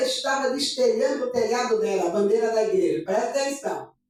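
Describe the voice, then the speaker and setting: The woman here talks at a fairly quick pace. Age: 60s. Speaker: pastor. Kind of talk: sermon.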